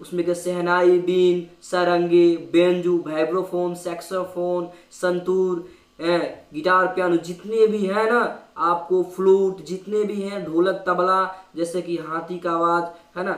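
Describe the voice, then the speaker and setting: A man's voice: sits high, level tone, a little slow, roomy sound, far from the mic. A man who plays keyboard, talking casually to his channel's viewers in a humble, pleading way. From India. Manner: humble, pleading, asks repeatedly. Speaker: keyboard player and channel host. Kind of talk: casual talk to camera.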